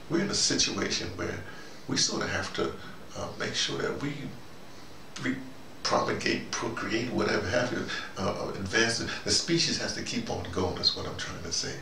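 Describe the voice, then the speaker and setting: A man giving a rambling, informal monologue as host, halting and digressive, often falling back on "you know". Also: fairly low pitch, very animated, creaky, pushed and bright. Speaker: host of a spoken dispatch series. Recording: roomy, noisy, distant microphone.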